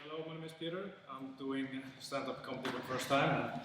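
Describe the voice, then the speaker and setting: A man doing stand-up for the first time, animated, putting on excited voices for his jokes. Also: medium pitch, quick pace. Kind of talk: stand-up set. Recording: echoey hall, distant mic, noise.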